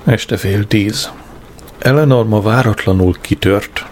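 A man reading a comic diary aloud in a dry, deadpan manner. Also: on the low side, slight background noise. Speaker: audiobook narrator. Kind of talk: scripted narration of a comic diary.

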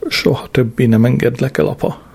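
A man's voice: medium pitch, steady tone, creaky, mellow, breathy edge. A man voicing a ruined, self-pitying young man who pleads through tears. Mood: sobbing, pleading. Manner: tearful, pleading.

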